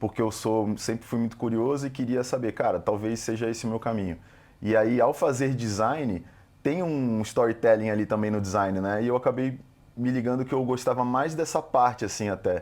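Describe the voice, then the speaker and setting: Recorded very cleanly against a silent background, a man speaks with a Carioca accent. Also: medium pitch for a man, ordinary pitch variation, moderate pace. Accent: carioca (Rio). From Brazil, Rio de Janeiro (then São Paulo). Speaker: advertising creative director. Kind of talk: casual interview.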